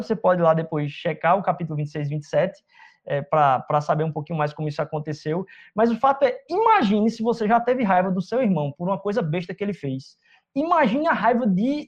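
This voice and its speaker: Pregador brasileiro em tom de conversa. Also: medium pitch. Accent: Brazilian Portuguese. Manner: conversational, rhetorical questions. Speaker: preacher. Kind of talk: sermon. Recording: dull lo-fi recording.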